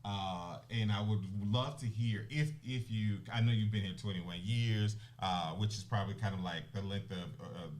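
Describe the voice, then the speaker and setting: Low-voiced casual male host. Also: fairly even intonation, moderate pace, few pauses. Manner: casual, chatty, lots of affirming fillers. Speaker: podcast host. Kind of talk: casual interview conversation.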